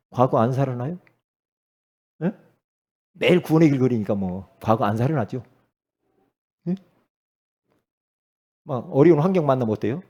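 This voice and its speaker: A middle-aged male pastor preaching, emphatic, swinging from loud exclamations to low asides and quizzing his congregation. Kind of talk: sermon.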